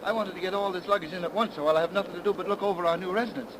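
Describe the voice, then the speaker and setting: Actor as a breezy, high-pitched young nephew. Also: male voice, steady tone, very fast, natural voice. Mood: breezy, eager. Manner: boyish, breezy. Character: breezy, eager young nephew, polite but teasing. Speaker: radio actor. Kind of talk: 1930s radio drama acting. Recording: noisy old 1930s radio broadcast.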